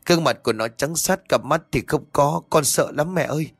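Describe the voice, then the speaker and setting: A man's voice: on the high side, brisk, vocal fry, slightly rough, no room sound, soft background music, pitched above the performer's own voice. A man voicing a frightened young woman who stammers and pleads with her mother in a spooky storybook tale. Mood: terrified, pleading.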